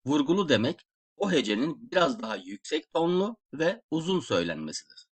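A man giving a slide-based language lesson, explaining slowly and repeating example words aloud. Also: a little high, sing-song, breathy edge. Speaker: Russian language teacher.

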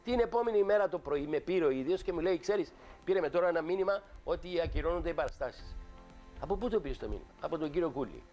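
A man's voice: fairly high pitch, animated, muffled recording, faint music behind. An older man with a Cypriot accent, a guest actor telling an indignant, emphatic story on a talk show and acting out the dialogue.

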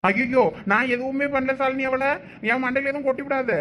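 A young man voicing a village husband and his teasing friend in a comedy drama, with quick chatty banter and worried asides. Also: high-pitched, steady tone, a little hiss or hum, natural voice. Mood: pleading.

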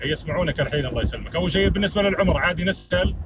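A young man hosting a livestream from a car at night, talking fast and politely on a phone call. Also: sits high, lively intonation, recorded from a distance, background noise. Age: young adult. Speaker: livestream host. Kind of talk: casual livestream chat. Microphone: phone camera at arm's length.

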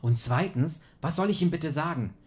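A man's voice: fairly high pitch, normal speed, darkish tone, a little hiss or hum, natural voice. Actor as driven, impatient male scholar. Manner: insistent, urgent. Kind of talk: German audio drama acting.

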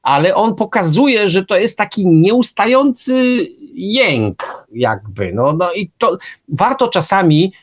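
A man's voice: high-pitched, takes it slowly. A man co-hosting a writing workshop radio show, talking casually and thoughtfully, with many hesitations. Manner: lively, musing, many fillers. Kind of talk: casual discussion on punctuation. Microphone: internet radio show microphone.

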